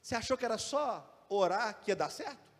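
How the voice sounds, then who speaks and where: A man preaching a sermon as pastor, with a Brazilian Portuguese accent, asking rhetorical questions and swinging between loud and soft, fast and slow. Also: high voice, animated, creaky. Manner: preaching with shifting loudness and pace, rhetorical questions. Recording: long hall reverb.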